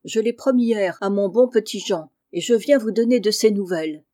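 A woman voicing a kindly, blunt middle-aged male farmer in an audiobook, speaking low and hushed. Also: normal speed, no room sound, clean studio sound, natural voice. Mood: gruff. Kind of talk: audiobook character reading.

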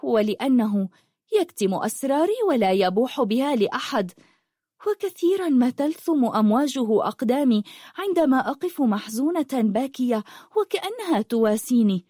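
A woman voicing a dreamy sixteen-year-old girl who speaks of the sea in a soft, poetic way. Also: high-pitched, big pitch swings, moderate pace, breathy edge, no room sound, studio quality, voice pushed up, full character voice. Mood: wistful.

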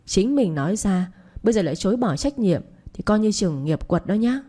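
A woman's voice: mid-range voice, animated, moderate pace, mellow, close to an everyday voice. A woman voicing a scheming, shameless pregnant stepmother who mocks and wheedles. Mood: mocking. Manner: mocking, wheedling.

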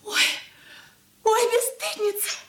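An actress playing an emotional, pleading young poor relative in a radio drama. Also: female voice, very high voice, steady tone, takes it slowly, a little hiss or hum. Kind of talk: 1980s radio drama acting. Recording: roomy room.

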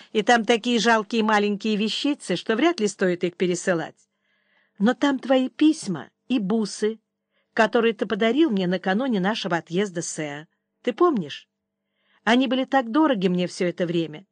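A woman reading an audiobook voices a young Austrian woman speaking to her lover in a warm, effusive, tender way. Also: mid-range voice, lively intonation, moderate pace, dry recording, clean studio sound, lightly acted.

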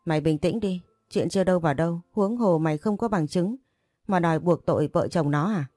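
A woman's voice: fairly low pitch, fairly quick, dark tone, no room sound, studio quality, soft background music, lightly acted. A woman voicing an irritable old patriarch who scolds and commands his household, in a storybook reading. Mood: stern.

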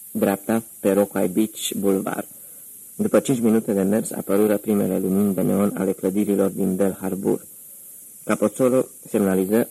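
Deep gravelly male audiobook narrator. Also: mellow, no echo, rough recording. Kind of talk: audiobook narration of a crime novel.

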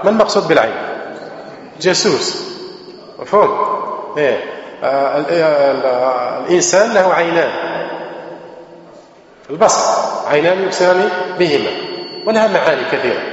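A man gives a religious lesson, asking his listeners rhetorical questions and answering them himself. His voice sits a little high and repeats key phrases for emphasis. The recording is muffled and lo-fi, with long reverb from a large hall. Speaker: religious teacher. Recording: echoey hall, muffled lo-fi sound.

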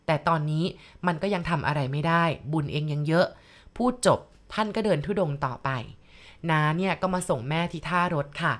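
Woman telling a ghost story, lower voice. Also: fairly quick. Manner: polite, addresses listeners directly.

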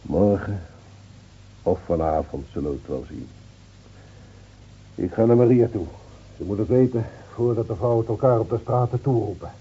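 An actor playing a brooding village man in a radio play, measured and ruminative in his delivery. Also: fairly low pitch, noisy background, lightly acted. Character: brooding village man, neighbourly wine-sipping visitor. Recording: tinny, phone-like old radio play recording.

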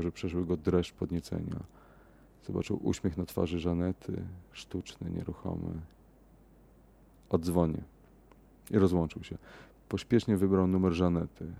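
Deep gravelly male horror narrator. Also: mellow. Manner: measured, hesitant in the outro with fillers. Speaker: podcast host and reader.

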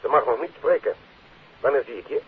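A brisk, courteous male colleague in a vintage radio play. His voice is very husky, with lively rises and falls. The sound is thin, like an old telephone line. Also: mid-range voice. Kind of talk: 1950s Dutch radio drama acting.

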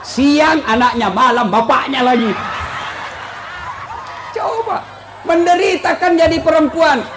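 A man's voice: very high-pitched, normal speed, noisy background. A man preaching a humorous sermon to a live audience, joking and teasing listeners with questions.

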